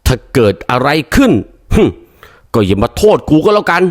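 A man's voice: medium pitch, sing-song, moderate pace, close to an everyday voice. A stubborn, grumbling older village husband, as a male storyteller plays him. He talks in a coarse, sulky way in a storybook telling.

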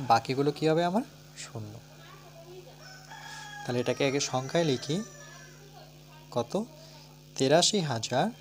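A man with a Bengali accent teaching a primary-school math lesson. He asks questions and answers them himself, counts slowly aloud and spells words out letter by letter. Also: mid-range voice, slight background noise. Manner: talks through steps, asking and answering his own questions.

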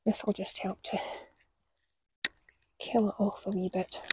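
This is a gardening vlogger in her forties, working in an outdoor allotment garden and talking casually to camera, chuckling through her own stories. She speaks a little slowly in a level, mid-range voice. Her camera is on the ground a few metres away, and the background is noisy.

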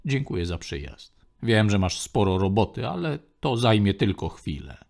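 A man voicing a grave older alien admiral who speaks slowly and solemnly. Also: fairly low pitch, sing-song, vocal fry, darkish tone. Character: grave old alien admiral, calm and heavy.

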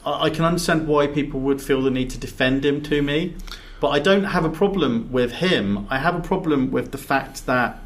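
A man's voice: fairly high pitch, moderate pace, few pauses. A man chatting on a podcast, his thoughts tumbling out in loose, rambling sentences full of restarts. He sits a little back from the microphone in a makeshift studio. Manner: rambling, many restarts and repeated words. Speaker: podcast co-host. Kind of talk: casual chat. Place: big echoey box used as studio. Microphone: sitting back from the table and mic.

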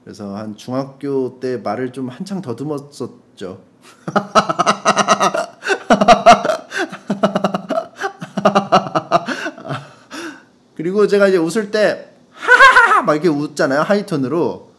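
A man hosting a casual podcast, chatting and answering listener letters, rambling and self-deprecating, with sudden loud emphasis. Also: mid-range voice, fairly quick. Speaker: radio-style podcast host reading listener letters. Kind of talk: casual chat.

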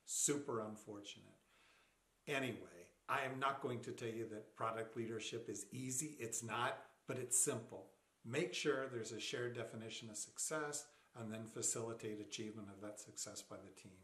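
A man coaching product leaders in a short explainer, measured and plain-spoken, slowing down to stress his points. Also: fairly low pitch, a bit bright. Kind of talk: short explainer talk to camera. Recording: roomy echo.

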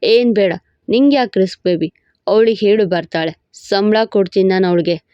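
A cocky young husband with a low, smug, teasing drawl, voiced by a woman. He is a storybook bad boy, playful and possessive, and sounds warm and mellow. The audio is a bit dull and dry. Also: moderate pace, dry recording, close to an everyday voice. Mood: smooth. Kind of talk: storybook narration with voiced roles.

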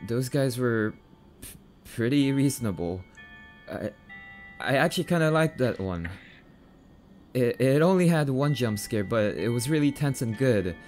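A man's voice: medium pitch, animated, a little slow, darkish tone, soft background music, lightly acted. A young man playing a jumpy, bashful catboy boyfriend in an ASMR roleplay, stammering and hesitant, bratty but sweet. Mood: hesitant, casual.

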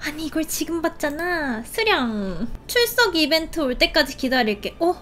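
A young woman hosting a casual game play video, gushing and giggling with excited exclamations. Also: sits high, moderate pace, slight background noise. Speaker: game channel host. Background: game music.

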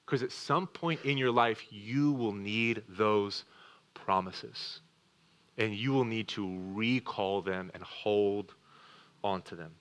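Earnest male pastor preaching a sermon. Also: lowish voice. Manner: earnest, shifts from quick asides to slow, quiet emphasis. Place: church sanctuary.

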